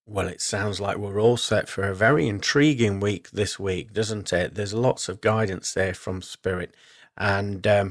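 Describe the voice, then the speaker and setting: A man hosting a spiritual radio show, talking in a measured, reassuring way as he gives guidance and addresses his listeners. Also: lowish voice. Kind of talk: spiritual forecast and show sign-off, semi-improvised talk.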